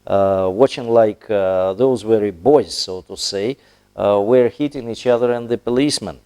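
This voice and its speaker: A man from Russia with a Russian accent, giving a formal interview in halting, deliberate, diplomatic phrases with long hesitations. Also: lowish voice, warm tone, smooth. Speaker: ambassador, interview guest.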